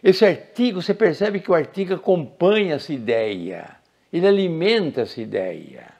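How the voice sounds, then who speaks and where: An older male teacher lectures on grammar with a gravelly edge to his voice. His pitch moves a lot as he leans hard on key words. He speaks deliberately and explains things step by step. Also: very animated, a little mellow, dull audio. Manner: didactic, deliberate, with emphatic rises on key words. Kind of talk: recorded lecture.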